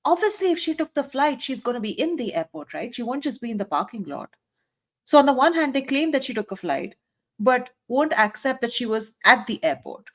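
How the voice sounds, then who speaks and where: A woman's voice: on the high side, sing-song, a little fast, a bit bright. A woman co-hosting a podcast, reacting casually in an incredulous, emphatic way. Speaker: podcast co-host. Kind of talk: casual commentary, reacting to played calls.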